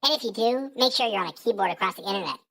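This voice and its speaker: A man putting on a squeaky baby voice for a grown man who sounds petulant and taunting. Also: animated, very fast, vocal fry, fairly bright tone, heavily acted.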